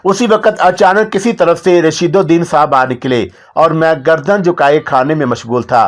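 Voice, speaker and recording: A man narrating a first-person novel in a measured storytelling voice. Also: a little high.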